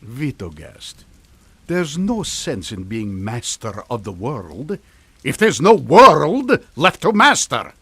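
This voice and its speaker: A man playing a dry, unflappable older mad scientist in a comic radio drama, deadpan and theatrical. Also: medium pitch, takes it slowly, husky, dry recording, full character voice. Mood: persuasive. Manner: deadpan, theatrical, swinging into urgency.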